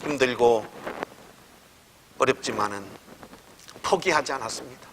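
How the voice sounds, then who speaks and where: A man's voice: medium pitch, a little slow, a bit bright, a little hiss or hum. A man pastor delivering an emphatic sermon, acting out prayers with rising intensity. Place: church sanctuary. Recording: church hall reverb.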